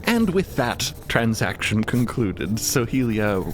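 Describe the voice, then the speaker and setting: A man's voice: medium pitch, very animated, takes it slowly, background noise. A man narrating audio fiction in a dramatic storytelling style.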